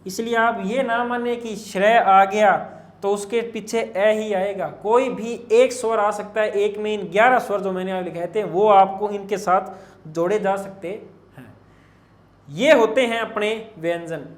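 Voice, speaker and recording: Male grammar tutor, high register, measured exam-prep lecture in a roomy, echoey space. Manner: slow and explanatory, spells out letters piece by piece; addresses students as children, asks and answers his own questions. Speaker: Hindi grammar teacher.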